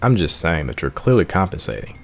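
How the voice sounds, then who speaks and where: A man's voice: low-pitched, sing-song, fairly quick, gravelly, soft background music, full character voice. A man voicing a skeptical, teasing teenage schoolboy in a read-aloud of a visual novel, with a dry manner.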